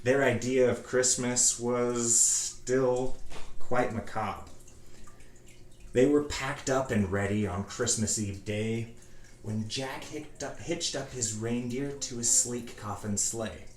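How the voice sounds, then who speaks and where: Male storybook reader, slow theatrical phrasing, roomy sound. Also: mid-range voice. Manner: measured, theatrical phrasing with pauses. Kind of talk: dramatic reading of a rhyming storybook. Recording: echoey room, faint background noise.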